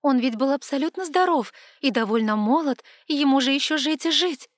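A woman voicing an anxious, impulsive young heroine in an excitable, questioning manner. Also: a little high, a little slow, no room sound, clean studio sound. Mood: agitated. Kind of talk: audiobook dialogue.

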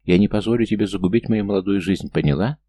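A man reading an audiobook voices a tiny male gnome trickster who is petty, squeaky and whines indignantly. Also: quick pace, dark tone, lightly acted.

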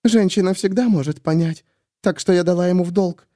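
A hysterical, volatile young woman, as a male narrator puts her on, her voice pushed far above his own into shrill, frantic cries. She lurches from screaming fury to deluded, bitter insistence. The sound is dry and close, with no room around it. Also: a little fast, warm tone, no room sound, natural voice. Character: unhinged jealous young woman with a gun.

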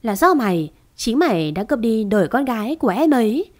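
A woman's voice: a little high, very animated, fairly quick. A woman reading the part of a bitter middle-aged steward who speaks harshly and accusingly.

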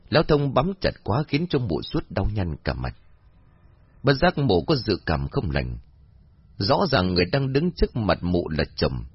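A man narrating a horror story in a dramatic, expressive way. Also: lowish voice, slightly rough, no room sound. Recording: dull lo-fi audio, faint music.

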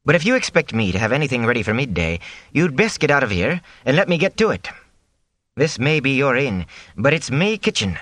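A man voicing a sharp-tongued, plump female inn cook who scolds in a folksy dialect. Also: medium pitch, sing-song, a little fast, dry recording, pitched above the performer's own voice. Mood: grudging.

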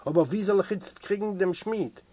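A man reading aloud and voicing a gentle, fatherly prison doctor with a soft, mild voice. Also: sits high, normal speed. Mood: firm.

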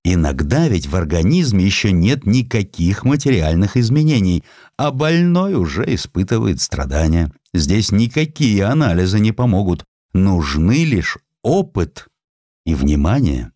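A man playing an opinionated, commanding nineteenth-century doctor lecturing his students in an emphatic, deliberate, didactic way for an audiobook. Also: deep voice, very animated, mellow, no room sound, clean studio sound, exaggerated voice. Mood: instructive.

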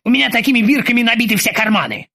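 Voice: medium pitch, very fast, pushed and bright, pitched above the performer's own voice. A reader putting on a barking mock-German captain. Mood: bossy interrogating. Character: blustering ship captain faking a German accent. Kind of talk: audiobook character voice.

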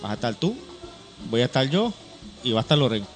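A man's voice: mid-range voice, very animated, fast, soft background music. A man co-hosting a Christian program, talking casually and explaining things with plenty of fillers. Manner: chatty and explanatory, many fillers. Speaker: co-host. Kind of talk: casual church talk-show chat.

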